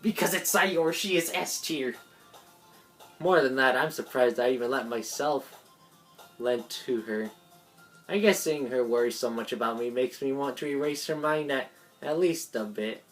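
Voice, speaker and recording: A woman with a rumbling low voice reads a visual novel aloud at a moderate pace, with soft music in the background. As an amateur video creator, she mixes in asides, trips over lines and goes back to correct herself.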